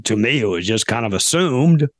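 Hoarse man hosting a podcast. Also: medium pitch, animated, a bit bright, no room sound, clean studio sound. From South Carolina, US. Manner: deliberate, pausing often with fillers. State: hoarse, losing his voice. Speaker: podcast host. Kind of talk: reflective podcast monologue.

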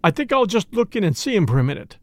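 Man playing a brisk, commanding doctor, animated pitch. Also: no echo. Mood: uneasy, brisk. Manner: commanding, sharp, insistent. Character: male village doctor, urgent, brusque and uneasy. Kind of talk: audiobook character dialogue.

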